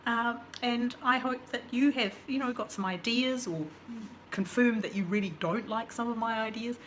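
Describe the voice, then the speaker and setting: Croaky-voiced woman, chatty. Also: a little high, normal speed, a little hiss or hum. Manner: chatty, enthusiastic about plants. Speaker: vlog host. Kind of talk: casual vlog narration.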